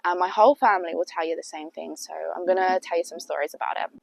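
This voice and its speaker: A woman's voice: lowish voice, quick pace, creaky, rough recording. A young British woman with a sniffly cold, telling a chatty, rambling personal story to her viewers. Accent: British English. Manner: chatty and rambling, heavy use of "like". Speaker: vlogger. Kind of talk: casual storytime chat.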